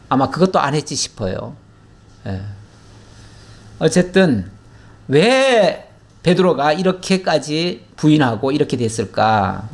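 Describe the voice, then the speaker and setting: Lively, expressive pastor teaching scripture. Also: male voice, a little high, vocal fry. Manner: conversational, asks the listeners questions; reads scripture in an old formal register. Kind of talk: Bible teaching sermon.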